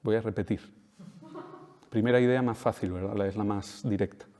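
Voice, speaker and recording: A speaker at a talk, a native Spanish speaker, lectures a little fast in a mellow, low-leaning voice with a steady tone. He stresses his points through repeated key phrases and tag questions, and the hall echoes noticeably.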